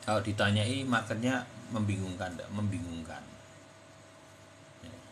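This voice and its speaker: There is audible room echo and noticeable background noise as a man speaks at a fairly low pitch. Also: moderate pace. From Indonesia, Semarang (Central Java). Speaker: crypto trading educator. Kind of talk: live-stream tutorial. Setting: live TikTok stream. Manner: casual, chatty.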